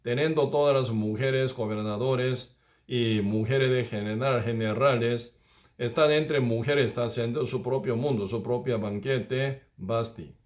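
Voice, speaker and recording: A man preaching a Bible study as a pastor, speaking with halting phrasing, repeating himself and often adding tag questions. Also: medium pitch, a little mellow. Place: church.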